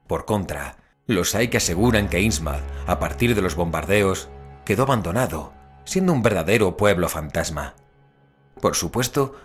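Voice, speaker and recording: A man playing a grave, haunted investigator, narrating an audio drama in a solemn, literary way. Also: low voice. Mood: grave, determined. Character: male investigator recounting dark horrors, grave and haunted.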